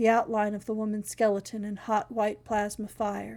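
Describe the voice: Plain reading aloud is what the clip offers.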